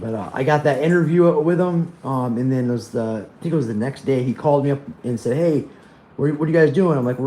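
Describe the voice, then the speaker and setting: Noticeable background noise sits behind a man with an American accent, who talks very fast at medium pitch with lively intonation. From Pennsylvania, small town. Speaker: YouTube livestreamer and activist. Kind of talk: casual livestream chat. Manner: stutters when thinking; halting, many repetitions and fillers.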